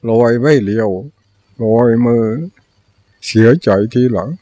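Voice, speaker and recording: A man's voice: lowish voice, slow pace, dark tone, dry recording. An older man, a Buddhist monk, giving a Dharma talk with plain storytelling and repeated teaching phrases.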